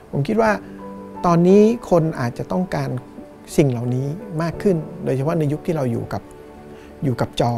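A middle-aged Thai man, a cinema owner, talking thoughtfully in an interview, unhurried and pausing to find his words. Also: a little high, vocal fry. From Thailand. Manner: thoughtful, unhurried, with fillers and restarts. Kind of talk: reflective interview talk. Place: small cinema in front of a screen, indoors.

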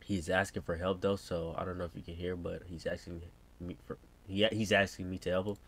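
A man's voice: low-pitched, level tone, brisk, fairly bright tone. An American man voicing an uneasy gas station worker in a horror game, hesitant and rambling as he calls for help. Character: uneasy, spooked young male gas station worker calling emergency line. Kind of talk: reading game subtitles as dialogue.

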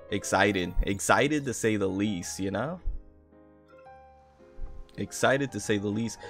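Over background music, a man hosts a laid-back gaming livestream, saying hello to viewers and repeating himself a lot. He has a lowish, slightly bright voice with vocal fry.

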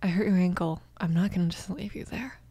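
A woman performing a young female mafia boss in an intimate ASMR romance audio drama. Her voice is husky and breathy, often slipping toward a whisper. She is commanding and fiercely protective, with a soothing tenderness. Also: fairly low pitch, fairly even intonation, a little fast, mellow, no echo. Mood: tender, reassuring.

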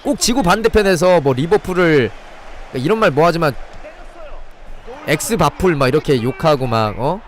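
A man's voice: a little high, normal speed, long pauses. A young man streaming a football video game, calling the plays and chatting with viewers in between. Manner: excitable play-by-play, chatting with viewers. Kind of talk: live gameplay commentary.

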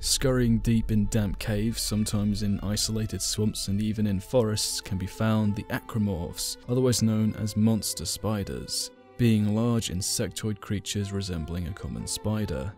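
A man's voice: fairly low pitch, a little slow, hardly any pauses, darkish tone. A man narrating a video game lore explainer in a casual way, adding dry joking asides. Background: faint game soundtrack music.

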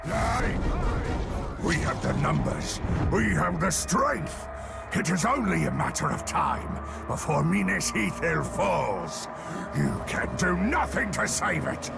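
A man's voice: fairly high pitch, big pitch swings, heavily acted. A man playing a cruel, snarling orc brute in a video game, with a growling, menacing delivery. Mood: grim confidence. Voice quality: very gravelly, growling. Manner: menacing, deliberate. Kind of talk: video game villain acting. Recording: loud music behind the voice.

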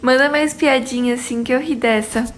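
A young adult woman from Brazil chats casually on a phone livestream, reading viewer comments and answering people by name in a São Paulo Portuguese accent. Her voice is high-pitched and steady, moving at a normal speed over slight background noise.

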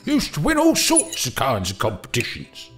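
A man's voice: medium pitch, huge pitch swings, moderate pace, faint music behind. An actor playing a folksy, good-natured older working man, who rambles and stammers in an audio drama. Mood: animated, indignant.

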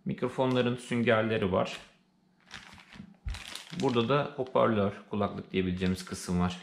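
A man with a Turkish accent giving casual, unscripted unboxing commentary, thinking aloud hesitantly as he goes. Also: mid-range voice. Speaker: unboxing presenter. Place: indoors, living room. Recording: roomy, echoey sound with faint noise.

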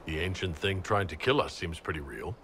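Casting: resolute male horned commander in a fantasy game, deep-ish, serious, steady delivery. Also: moderate pace, slight background noise. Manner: serious, steady, plain-spoken. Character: resolute, stern, large horned male warrior leader. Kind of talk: fantasy video game acting.

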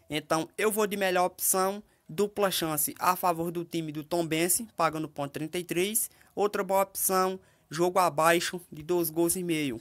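A Brazilian-accented man talks through football betting picks in a relaxed voice-over. He walks through the odds in a steady, methodical way. He keeps tossing quick tag questions to his listeners. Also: on the high side. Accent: Brazilian Portuguese. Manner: ends phrases with tag questions to the audience. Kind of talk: casual voice-over over betting screens.

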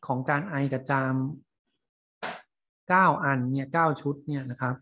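A man teaching a class, explaining English terms in a scientific paper slowly with frequent fillers and pauses. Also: medium pitch, noisy background. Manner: slow, halting, many fillers. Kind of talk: lecture on reading scientific English.

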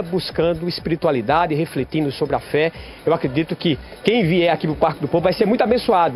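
High voiced pastor guy from paraiba, calm and explaining, live tv interview w handheld mic. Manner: measured, explanatory, inviting. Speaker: pastor and event organizer. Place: outdoor event venue under a large tent roof. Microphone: handheld reporter microphone.

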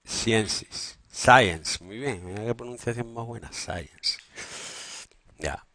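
A secondary school English teacher teaches grammar in a classroom, teasing and bantering with his students and joking about football. His mid-range voice is a little slow and creaky, with no room sound.

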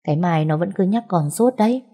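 Woman reading as a doting old grandmother, low and husky, storybook. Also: expressive, fairly quick, mellow. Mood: coaxing. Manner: scolding yet doting. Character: older grandmother, fussing and kindly.

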